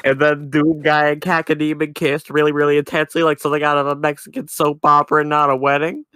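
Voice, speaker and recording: A man reads an absurd fan fiction aloud in a deadpan narrating tone. His voice is bright and crisp, with a clean, dry sound close to the mic. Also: a little high, fast talker, no room sound. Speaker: podcast co-host reading aloud. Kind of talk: comedic reading of fan fiction.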